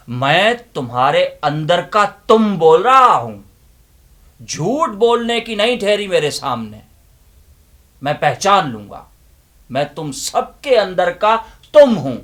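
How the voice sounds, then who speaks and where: A man voicing mankind's anguished inner conscience in a theatrical, reproachful dramatic monologue, declaiming with drawn-out phrases and rhetorical questions. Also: on the high side, fairly bright tone, pitched above the performer's own voice. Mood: accusing, urgent.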